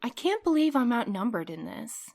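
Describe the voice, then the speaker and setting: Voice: mid-range voice, big pitch swings, moderate pace, gravelly, a little mellow. An actor voicing a cautious, rule-minded courier in an audio drama who worries and protests. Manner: anxious, protesting, a bit prim. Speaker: night courier Milo.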